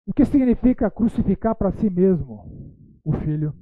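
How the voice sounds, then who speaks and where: A man's voice: sits high, lively intonation, moderate pace, no room sound. A man teaching a Bible school lecture, posing rhetorical questions and tagging his sentences with "né". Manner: rhetorical questions, frequent "né" tags. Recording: tinny phone-like dry sound.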